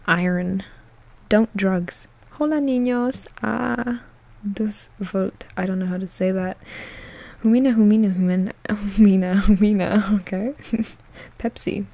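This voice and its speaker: A woman hosting a soft-spoken ASMR video, playful and giggly, often slipping into whispers. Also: mid-range voice, vocal fry. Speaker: ASMR channel host.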